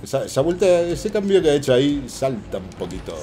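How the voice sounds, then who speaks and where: A man's voice: medium pitch, a little fast. Spanish guy streaming a game, swears a lot, voice jumps all over, bit of music under it. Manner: excitable, swearing, chatty asides to chat. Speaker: gaming streamer. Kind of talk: casual live gameplay commentary.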